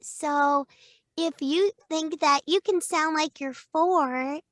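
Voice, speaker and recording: A middle-aged woman voice actor, a guest on a podcast, chatting casually in a playful, expressive way, laughing often and restarting her thoughts as she goes. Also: high-pitched, slow pace, dry recording. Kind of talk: casual interview chat.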